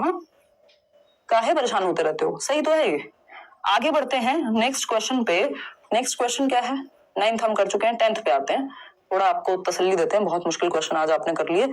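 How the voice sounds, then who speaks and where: A woman's voice: mid-range voice, rough recording. A young woman teaching an exam-prep lesson in a conversational, reassuring way, mixing English terms into her speech. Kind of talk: online lesson, explaining test answers.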